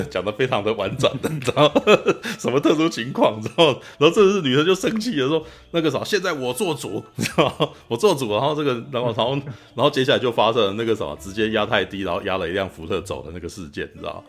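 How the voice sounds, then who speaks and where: Soft music backs a very fast, nearly pause-free male voice in the mid range. He's a podcast host with a Taiwanese Mandarin accent, excitedly recapping a film scene in casual conversation, often ending lines with "you know?" and laughing frequently.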